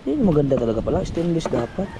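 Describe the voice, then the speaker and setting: A man's voice: a little high, very animated, quick pace, heavy background noise. Chatty fisherman vlogging outdoors. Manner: chatty, playful teasing with a child. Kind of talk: casual vlog chat. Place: outdoors by the sea.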